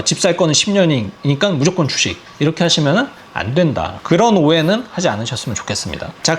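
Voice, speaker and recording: A man talking to camera as a finance YouTuber, chatting in a conversational way and asking and answering his own questions. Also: on the high side. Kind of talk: explanatory talk to camera.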